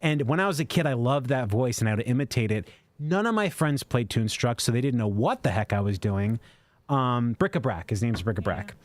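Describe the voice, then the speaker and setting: A man's voice: mid-range voice, animated, a little fast. A man co-hosting a casual livestream, reading out viewer super chats and answering with lots of fillers. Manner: rambling, reads super chats aloud with fillers. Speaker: co-host answering viewer questions. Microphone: studio microphone.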